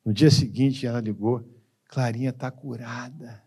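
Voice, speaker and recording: A man with a Brazilian accent preaching a sermon as pastor, telling a story dramatically and swinging from hushed lines to loud ones. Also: mid-range voice, steady tone, measured pace, slight background noise. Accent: Brazilian Portuguese. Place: church.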